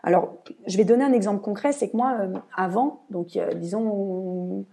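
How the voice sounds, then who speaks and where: A woman's voice: mid-range voice, moderate pace, gravelly, warm tone, husky. A woman hosting a podcast, explaining her views in an earnest, casual monologue. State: tired. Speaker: podcast host.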